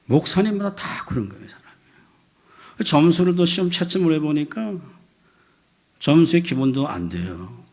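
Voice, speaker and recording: A man in his fifties, a pastor preaching a sermon, telling a story with voiced quotes and building to loud, emphatic peaks. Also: medium pitch, creaky, slightly rough. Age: 50s. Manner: storytelling with animated voiced quotes, rising to shouts.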